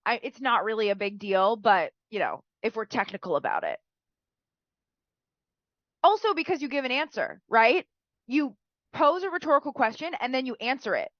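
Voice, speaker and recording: A woman's voice: fairly high pitch, big pitch swings, normal speed, pauses often, no room sound, highs cut off. A woman teacher who is sick and sounds nasal, giving chatty writing feedback and often tagging "right?" onto her sentences.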